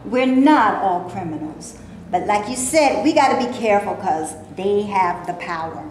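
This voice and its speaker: An actress in a staged reading playing a skeptical, sardonic Black actress from the 1930s. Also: female voice, mid-range voice, lively intonation, normal speed, close to an everyday voice. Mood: wry. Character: Black actress of the 1930s, wary, wry and outspoken. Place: stage before a live audience. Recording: very echoey room, faint noise.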